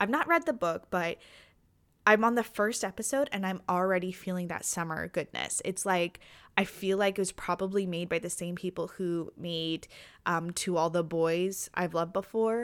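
A woman's normal speaking voice with an American accent, medium pitch, ordinary pitch variation and moderate pace, on a very clean recording with a silent background. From Utah, US. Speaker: podcast host. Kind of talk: casual solo podcast monologue. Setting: home recording with poor audio. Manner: chatty, self-deprecating.

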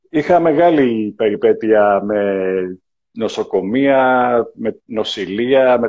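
Speaking very slowly, a man keeps a medium pitch with ordinary pitch variation. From Greece, Agrinio. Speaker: paraplegic mentor and motivational speaker. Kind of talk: interview.

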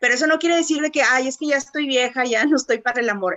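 The woman's voice is high, with ordinary pitch variation. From northern Mexico. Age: 50s. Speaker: dating advice content creator. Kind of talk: podcast interview. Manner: animated.

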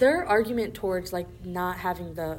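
Vocal fry marks this woman's fairly low voice. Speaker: student podcast host. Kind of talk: casual chat.

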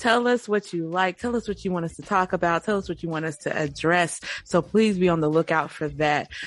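Over a quiet background, a woman with a fairly low pitch speaks at a fairly quick pace with ordinary pitch variation and hardly any pauses. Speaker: podcast host. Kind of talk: casual chat. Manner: animated.

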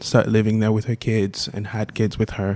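A man speaks with a Congolese accent in a fairly low pitch. His intonation is monotone and flat. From Congo, Lubumbashi. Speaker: guest, ministry student. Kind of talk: personal testimony interview.

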